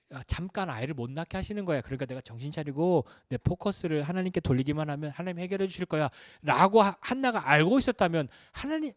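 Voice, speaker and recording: A man's voice: on the high side, no room sound, clean studio sound. A man preaching a Sunday sermon as pastor, asking questions and answering them, his voice rising and dropping for emphasis. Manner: lively, questioning, rises and drops for emphasis.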